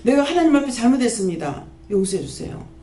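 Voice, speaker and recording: A woman pastor, preaching a sermon and scolding with rapid-fire rhetorical questions. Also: fairly high pitch, very animated, mellow. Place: prayer house church. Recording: echoey church hall, faint background noise.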